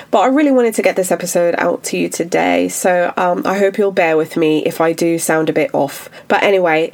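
A woman's voice: medium pitch, darkish tone. A woman hosting a solo podcast about books, chatty and upbeat, sounding stuffy because she is under the weather. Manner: chatty and upbeat, frequent fillers. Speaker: podcast host.

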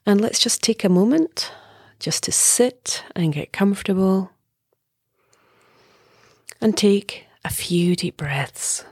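Guiding a meditation, this woman teacher speaks at a medium pitch in a soft, breathy tone that often drops nearly to a whisper, staying calm, soothing, and unhurried throughout. It's a dry, studio-quality recording.

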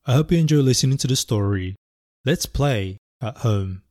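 A man reading a children's story and teaching English words, speaking clearly and carefully and spelling words out letter by letter. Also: medium pitch, expressive, takes it slowly, warm tone, dry recording, clean studio sound. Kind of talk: bilingual children's lesson narration.

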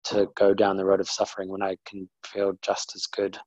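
Man, podcast host, earnest and relaxed, low-pitched, dry and dull sound. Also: brisk, no echo. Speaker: podcast host, plant-based coach. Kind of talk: podcast interview. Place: London. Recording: muffled lo-fi audio.

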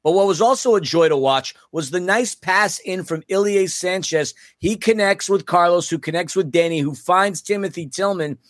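A man's voice: high voice, normal speed, hardly any pauses, dry recording, studio quality. Chatty man on a sports podcast. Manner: chatty, laughs often, stumbles over names. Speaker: podcast co-host. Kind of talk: casual sports podcast chat.

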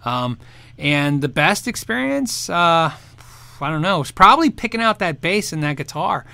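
A man's voice: on the high side, sing-song, moderate pace, gravelly, sharp tone, clean tone, dry recording. A man hosting a guitar show, chatting casually and answering viewer questions, rambling and restarting sentences and laughing often. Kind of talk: casual live chat.

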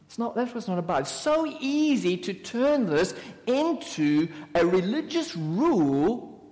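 Male preacher, sermon delivery, high and highly expressive pitch, emphatic repetition, hall echo. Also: measured pace. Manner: animated, repeats key phrases for emphasis; playful asides and mock voices.

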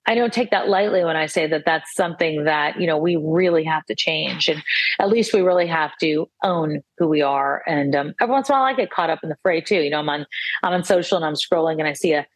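Husky woman in her 50s, talks earnest and reflective, lots of restarts, dry close sound. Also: deep voice, quick pace, no echo. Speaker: guest. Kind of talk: casual conversation.

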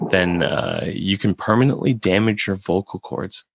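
A man with a raspy voice, hosting a casual podcast chat and rambling with many restarts. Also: low-pitched, moderate pace, no echo.

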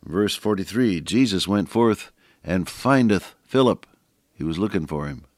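Radio preacher, man, very low voice, a little gravelly, dry studio sound. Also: expressive, a little slow, darkish tone, no room sound. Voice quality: slightly gravelly. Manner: reads scripture aloud with rising emphasis, folksy asides. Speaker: radio Bible teacher. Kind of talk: radio sermon, reading and expounding scripture.

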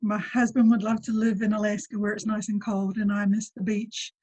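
A woman's voice: medium pitch, flat delivery, brisk, darkish tone, breathy edge, dry recording, poor audio. A woman with a New Zealand accent, speaking as a postpartum doula in a casual interview, chatty and full of ums.

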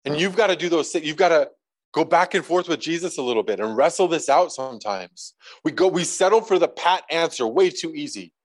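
A man's voice: a little high, poor audio. A man preaching a casual, conversational sermon to a congregation, reading scripture aloud and adding light jokes. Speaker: pastor.

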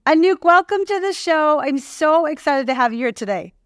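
Higher-voiced woman hosting a podcast. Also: lively intonation, moderate pace, dry recording, clean studio sound. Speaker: podcast host and interviewer. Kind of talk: scripted podcast introduction and interview.

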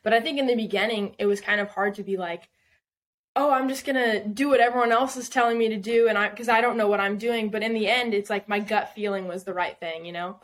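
A woman's voice: medium pitch, quick pace. Young woman guest, chatty and loose, many fillers, laughs easily. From Southern California. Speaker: guest singer-songwriter. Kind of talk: casual podcast interview.

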